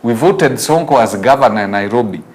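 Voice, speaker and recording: A man's voice: medium pitch, brisk. A middle-aged man with a Kenyan accent, giving a preachy closing commentary as talk show host. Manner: animated, laughs often, preachy.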